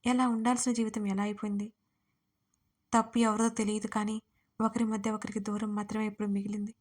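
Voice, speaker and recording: A woman narrating an audio romance story in a soft, steady reading voice. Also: mid-range voice, a little fast.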